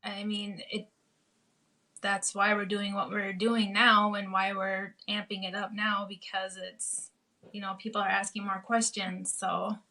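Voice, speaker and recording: A woman's voice: mid-range voice, flat delivery, a little slow, sharp tone, low-quality recording. A nervous woman as a guest on a live chat, hesitant and full of restarts. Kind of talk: casual chat.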